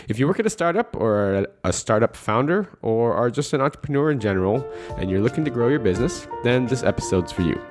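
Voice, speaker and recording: A man hosting a podcast, reading a polished intro and then asking questions with some fillers. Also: mid-range voice. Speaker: podcast host. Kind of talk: scripted intro, then casual interview questions.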